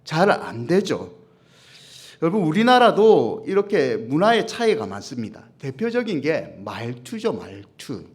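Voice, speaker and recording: A man's voice: a little high, big pitch swings, unhurried. A man with a Gyeongsang accent preaching a sermon as senior pastor, humorous, often asking the congregation questions. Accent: Gyeongsang Korean. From Gyeongsang region, Korea. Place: church service.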